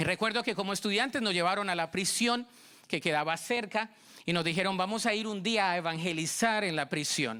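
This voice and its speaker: A man projects his raised voice at a high pitch with a bright, sharp tone and ordinary pitch variation. The recording is very clean, with a silent background. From Colombia. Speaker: pastor. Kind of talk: sermon. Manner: animated.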